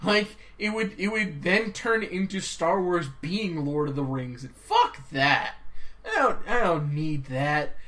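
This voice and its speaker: A man's voice: fairly high pitch, very animated, a little slow, fairly bright tone. A young man in a casual podcast chat, loose and joking, swearing freely.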